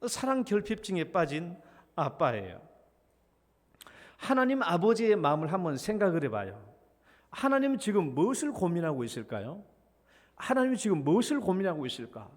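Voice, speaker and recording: A middle-aged male pastor with a fairly high voice preaches in a church, and his words ring out with a long reverb. He tells stories vividly and slips into the voices of his child and of himself as he goes. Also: very animated, normal speed. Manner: storytelling, acts out his child's pleading and his own feigned reluctance. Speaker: senior pastor. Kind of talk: sermon. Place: church sanctuary.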